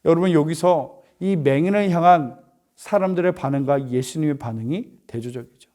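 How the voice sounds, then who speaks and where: High-voiced man preaching animatedly. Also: moderate pace. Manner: animated, acts out voices, asks rhetorical questions. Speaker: pastor. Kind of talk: youth sermon, storytelling. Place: church.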